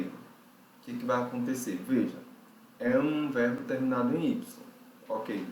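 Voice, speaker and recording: A man's voice: mid-range voice, darkish tone. A man teaching an English grammar lesson. He explains patiently and often checks in with "ok?". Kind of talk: recorded online lesson. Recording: roomy recording with faint background noise.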